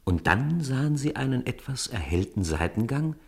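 A man narrating a children's audio drama in an expressive storytelling manner. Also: mid-range voice, normal speed, gravelly.

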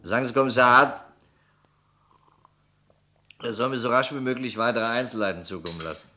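A man acting a sharp, sceptical homicide investigator in a radio crime drama, blunt and sardonic. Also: medium pitch, a little fast, soft background music. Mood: brisk. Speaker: actor in a radio crime play.

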